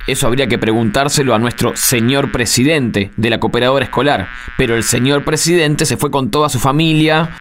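A sardonic Argentine committee man acted by a man in a radio play. His mid-pitched voice is emphatic and sarcastic. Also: fairly quick, hardly any pauses, fairly bright tone, slight background noise, close to an everyday voice. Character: sardonic man auditing school committee accounts. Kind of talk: radio drama dialogue.

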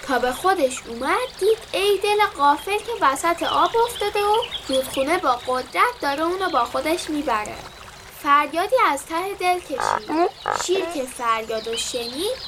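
Woman storyteller for kids' audio, high-pitched and animated. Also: background noise. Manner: expressive, storytelling. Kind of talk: children's storybook reading.

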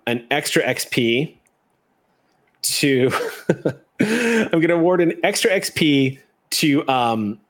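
Man hosting a tabletop game. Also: medium pitch. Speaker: game master. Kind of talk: casual wrap-up talk after a tabletop game.

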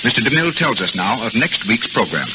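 A man's voice: on the low side, big pitch swings, a little fast, lo-fi sound. Formal male announcer reading credits, old radio. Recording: heavily hissing 1930s radio broadcast.

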